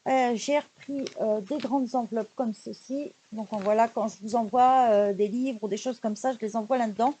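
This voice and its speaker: A woman presenting her recent craft purchases in a casual, chatty haul video, often pausing on fillers. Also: fairly high pitch, fairly even intonation, dark tone, husky. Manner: chatty, many hesitation fillers and "donc voilà". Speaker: craft YouTuber showing purchases.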